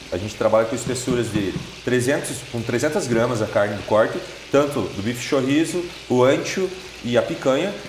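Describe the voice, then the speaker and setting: Light background noise and audible room echo around a man's voice at a moderate pace. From Itapejara, Paraná, Brazil; Paraná, Brazil. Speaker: chef; guest. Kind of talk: cooking demonstration. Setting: TV studio kitchen. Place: studio.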